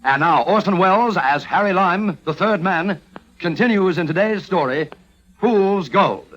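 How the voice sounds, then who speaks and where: Formal old-time radio announcer, high voice, faint music under him, dull sound. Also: male voice, animated, measured pace, fairly bright tone. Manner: formal, declaiming.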